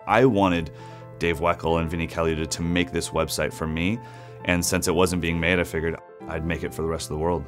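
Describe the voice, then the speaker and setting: A man with a notably deep, low voice talks earnestly about his work as an online drum teacher. His reflective, conversational delivery suits a documentary interview, with faint music underneath. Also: little pitch movement, brisk.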